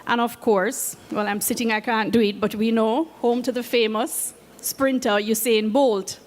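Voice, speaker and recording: A woman with a Jamaican accent giving a prepared talk as a program head, earnest and measured. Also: a little high, steady tone, big-room sound. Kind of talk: prepared presentation. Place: event space at a conference.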